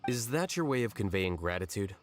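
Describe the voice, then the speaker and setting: A man voicing a cool, rational young scholar in an anime-style video game, measured, dry and formal. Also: lowish voice, very animated, faint music behind.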